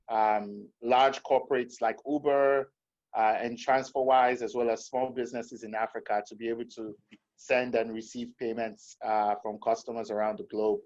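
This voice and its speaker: A man from Nigeria in his thirties, telling his story on a video call in a steady, measured way. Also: medium pitch. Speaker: startup founder and investor. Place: indoors, home room. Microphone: laptop mic on video call. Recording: muffled video call audio.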